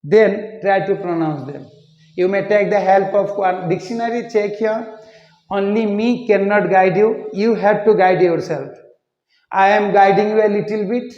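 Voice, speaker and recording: A man teaching an English pronunciation lesson, repeating words slowly to show how they should sound. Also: high voice, a little mellow. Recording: echoey room, muffled lo-fi sound.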